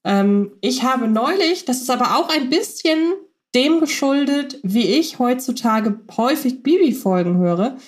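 A woman's voice: high-pitched, expressive, measured pace. Woman, reflective podcast co-host. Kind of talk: conversational podcast discussion.

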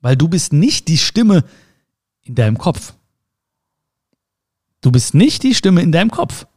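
A man's voice: a little high, measured pace, slightly rough. A man giving a casual motivational monologue, talking straight to the listener with rhetorical questions and playful sound words. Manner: animated, addresses listener directly with rhetorical questions.

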